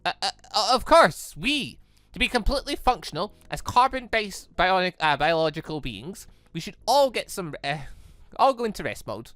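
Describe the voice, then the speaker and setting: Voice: mid-range voice, sing-song, normal speed, a bit bright, no room sound, soft background music. A gaming host voicing an awkward, flustered android girl who stammers and speaks in stiff, overly technical words.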